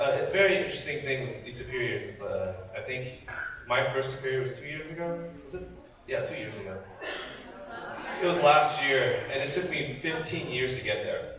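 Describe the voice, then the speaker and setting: A man talks at a fairly quick pace, his loudness swinging widely. Audible room echo and noticeable background noise fill the recording. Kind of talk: speech to a concert audience. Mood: proud, light-hearted. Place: hall. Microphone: camera far.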